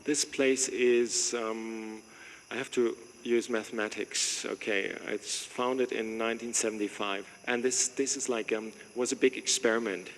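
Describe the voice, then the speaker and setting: A man's voice: fairly low pitch, steady tone, unhurried, a little hiss or hum. A man, a monk welcoming visitors to his monastery, talking casually, joking and chuckling often as he asks questions. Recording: reverberant space with faint ambience.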